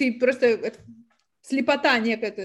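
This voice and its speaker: A woman talks in a plain, everyday voice. Her pitch variation is ordinary and her pace moderate. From Russia, Chuvashia. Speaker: newspaper editor and dairy industry official. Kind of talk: casual chat.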